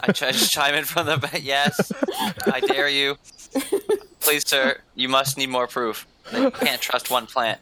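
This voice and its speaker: A man cheerfully eggs on the other players at a tabletop game. His voice is mid-pitched. The chatter of others is clearly audible around him. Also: expressive, unhurried. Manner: teasing, egging on.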